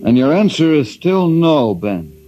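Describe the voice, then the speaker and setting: An actor playing an earnest, resolute ranger hero who speaks in a firm, persuasive way, in an old radio drama. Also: male voice, a little high, big pitch swings, measured pace, warm tone, faint music behind. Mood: pleading. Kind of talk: 1950s radio drama acting. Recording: dull old radio broadcast with faint hiss.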